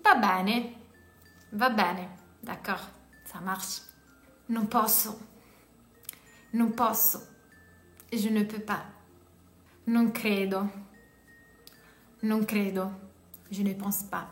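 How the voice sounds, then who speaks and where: A woman's voice: mid-range voice, steady tone, drawn-out words, long pauses, fairly bright tone. A woman with an Italian accent teaching a beginner lesson in French, saying each Italian word twice and then giving its meaning. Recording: echoey room with faint music.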